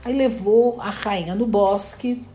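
Woman, storyteller, mellow voice, soft music behind. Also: medium pitch, slow pace. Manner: lively, voices characters in quotes. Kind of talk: casual oral fairy tale telling.

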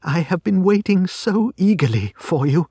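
A man voicing an anxious, eager young gentlewoman in an audiobook story, with an earnest, urgent manner. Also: medium pitch, lively intonation, moderate pace, husky, no room sound, studio quality, pitched above the performer's own voice. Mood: eager, relieved.

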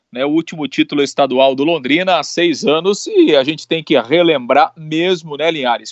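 A man's voice: a little high, no echo. Man talking sport over a dull, dry line. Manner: conversational, frequent "né" fillers. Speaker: sports reporter guest. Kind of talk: casual radio chat.

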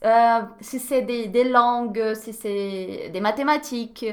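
A woman tutor in casual conversation, reassuring and encouraging, loose and relaxed in her phrasing. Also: fairly high pitch, slow pace.

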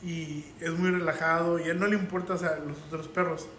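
A man's voice: a little high, brisk, echoey room, a little hiss or hum. A man from Mexico with a Mexican Spanish accent, telling anecdotes animatedly in casual podcast chat. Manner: animated storyteller.

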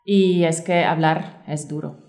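Female teacher, co-host, reading a course script clearly and evenly. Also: sits low, fairly even intonation, takes it slowly, darkish tone. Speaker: Spanish teacher, podcast co-host.

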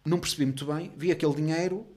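A man's voice: a little high, steady tone, very fast, a little mellow. A man with a European Portuguese accent telling an indignant story in a casual chat.

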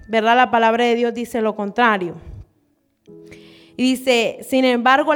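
A young woman from Honduras delivers a church sermon with earnest, slightly nervous energy. Her voice sits a little high, with soft music playing faintly underneath. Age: 20s. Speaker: church speaker. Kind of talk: sermon and prayer.

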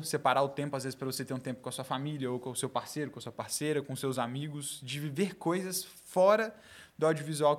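A man, a videomaker guest, telling animated stories in a casual podcast chat and swearing casually. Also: mid-range voice.

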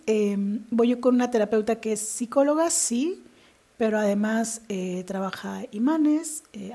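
A woman with a Mexican Spanish accent hosting a podcast as an executive coach, talking in a chatty, confessional way and laughing often. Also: a little high. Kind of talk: casual podcast monologue.

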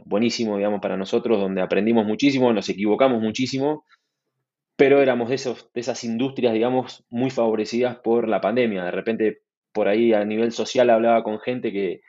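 A medium-pitched male voice with lo-fi sound quality. He's an Argentine startup manager with an Argentine Spanish accent, chatting easily as an interview guest, relaxed and fluent but full of restarts and fillers in a conversational interview.

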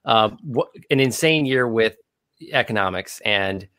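A man's voice: lowish voice, expressive, measured pace, pushed and bright, dry recording. A man hosting a podcast, asking his guests loose, rambling questions packed with "you know" and "right?". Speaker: podcast host. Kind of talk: casual chat.

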